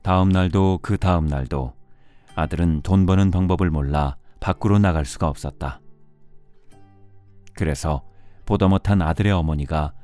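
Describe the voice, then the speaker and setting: A man reading a storybook in a measured bedtime audiobook style, with music behind him. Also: low-pitched, mellow. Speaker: audiobook narrator. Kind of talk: scripted storybook narration for bedtime listening.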